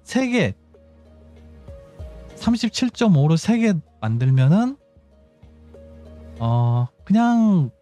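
A man hosts a casual game walkthrough in a slightly mellow voice with highly varied intonation. He explains step by step, thinking aloud. Music plays lightly behind him. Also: big pitch swings, takes it slowly, long pauses. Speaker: gaming channel host. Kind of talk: casual game tutorial commentary.

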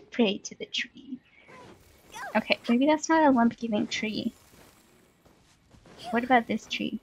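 A woman's voice: fairly high pitch, slow, long pauses, highs cut off, a little hiss or hum. A woman chatting casually as she plays a game, thinking aloud with playful exclamations and muttering to herself. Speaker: let's play host.

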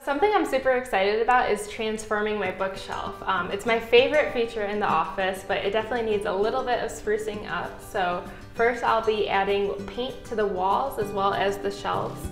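A woman's voice: mid-range voice, normal speed. A young woman chatting cheerfully about renovating her home office, recorded indoors in a room under renovation. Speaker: illustrator and graphic designer. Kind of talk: DIY renovation vlog. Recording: echoey room with music.

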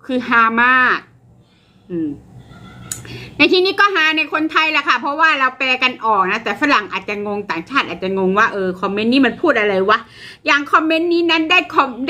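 A woman's voice: sits high, bright, forceful tone. An older woman hosting her channel, casually reading and explaining online comments to viewers with lots of fillers. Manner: chatty, addresses viewers, frequent fillers, laughs at jokes. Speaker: channel host.

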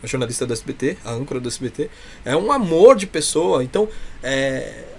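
A man's voice: mid-range voice, lively intonation, fairly quick, gravelly, darkish tone, husky. A man with a Brazilian accent chatting casually and effusively as an interview guest. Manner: effusive, talkative. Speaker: interview guest, clown performer. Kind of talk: casual chat. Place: indoors, small room with cloth backdrop.

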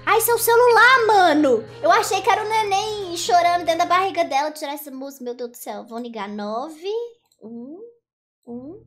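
A woman's voice: high-pitched, a little fast. A young woman giving chatty, giggly commentary while playing a browser game. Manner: chatty, giggly, exclaiming, teasing. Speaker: gaming YouTuber. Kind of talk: casual gameplay commentary. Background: game music.

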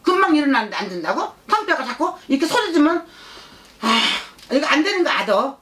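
A woman's voice: high-pitched, sing-song, fairly quick, a bit bright. A woman shaman voicing a blunt, childlike spirit in a consultation, repeating herself insistently and prodding with scolding questions. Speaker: shaman fortune-teller.

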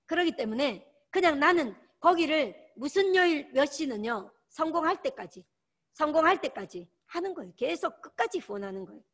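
A woman lectures her sales team in a bright, high voice. Her pitch leaps up and down with animated energy. She drives every point home by saying its key word again and again. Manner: emphatic, repeats key words, exhorting. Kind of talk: motivational training lecture.

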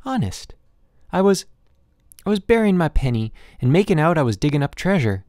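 A man's voice: fairly high pitch, very animated, normal speed, darkish tone, dry recording, clean studio sound, voice pushed up. A man voicing an anxious, earnest seven-year-old farm boy in a storybook, pleading and eager.

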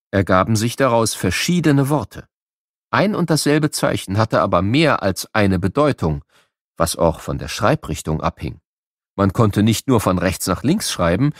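A man reading scripted educational narration for children, explaining things like a storyteller with clear enunciation. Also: fairly low pitch, no echo, studio quality.

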